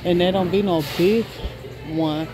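A woman's voice: lowish voice, fairly even intonation, measured pace, music in the background. A woman vlogging while she shops in a large warehouse store, chatting to viewers and exclaiming over prices. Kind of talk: casual shop-with-me narration. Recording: noisy store background. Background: store noise.

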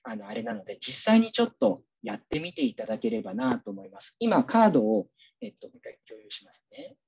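A man's voice: mid-range voice, very animated, fairly quick, vocal fry, a little mellow, breathy edge, dull audio. A man teacher giving a casual, chatty online workshop, walking the audience through a demo with many fillers.

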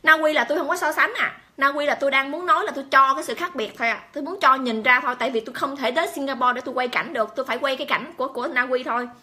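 A woman gives an impassioned monologue to her camera. Her voice is high and bright, and she talks at a rapid clip. She piles on exclamations and rhetorical questions aimed at the people watching. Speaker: vlogger addressing viewers.

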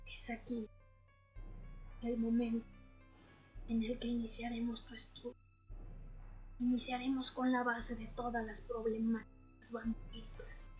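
A woman playing a patient, enigmatic vampire scholar in a radio drama, speaking in a measured, solemn way. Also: on the high side, flat delivery, darkish tone, faint music behind, natural voice, low-quality recording. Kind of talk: Spanish-language amateur radio drama acting.

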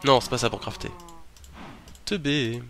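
A male let's play commentator keeps up a chatty self-directed monologue, punctuated by alarmed shouts and swearing. He talks at a measured pace with a medium pitch, and there's slight background noise.

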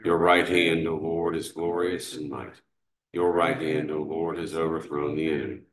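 A man leading morning prayer as a priest, reciting psalms, canticles and the creed in a measured, steady way, recorded from a distance in a large cathedral. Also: very deep voice, a crowd in the background. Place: large cathedral sanctuary, indoors. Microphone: far camera. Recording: echoey cathedral room sound.

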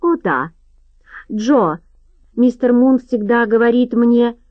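A woman doing a high, flirtatious ex-actress. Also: takes it slowly, no room sound. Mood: eager, nervous. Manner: high, eager, metallic tone. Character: nervous, flirtatious former actress, middle-aged woman. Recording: dry, slightly dull audiobook recording.

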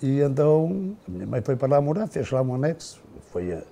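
An older man with a gravelly, rough-edged voice and a very dark, mellow tone. He reminisces slowly and haltingly, often stopping and restarting his sentences. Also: mid-range voice, big pitch swings. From Portugal. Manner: unhurried, halting, with many restarts and fillers. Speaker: guest. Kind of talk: casual reminiscing.

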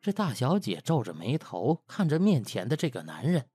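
Male narrator for comic fiction, dramatic storyteller, slightly rough voice, wide swings in pitch. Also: wildly swooping pitch, moderate pace, warm tone, no echo. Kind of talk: scripted comic audiobook narration. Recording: music bed behind the voice.

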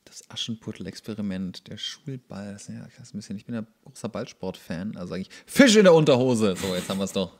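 Wry man with a lowish voice, chatting. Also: expressive, fast, few pauses, slight background noise. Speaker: podcast co-host. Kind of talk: casual chat, joking TV show commentary.

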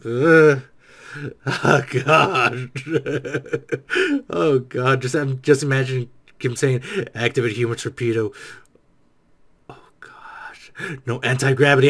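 A young adult man giving casual, joking reaction commentary, excitably echoing lines he hears. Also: mid-range voice, unhurried. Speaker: reaction video creator. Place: small dark room indoors.

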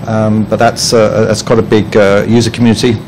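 A man's voice: lowish voice, level tone, fairly quick, a little mellow, a little hiss or hum, rough recording. A man presenting at a professional conference, speaking hesitantly with many ums and restarts, and slipping in dry, self-deprecating jokes. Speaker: conference presenter, head of publishing. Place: conference room.

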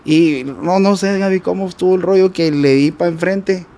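A man with a Mexican accent, a guest musician telling a story in a casual interview, animated and repetitive, sometimes mimicking notes with "ta ta". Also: high-pitched, moderate pace.

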